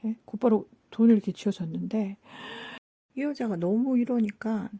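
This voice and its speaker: A woman hosting a spiritual talk, telling an anecdote in a casual, animated way, acting out quoted lines and asking the listeners rhetorical questions. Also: a little high, normal speed, slightly rough. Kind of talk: casual storytelling lecture.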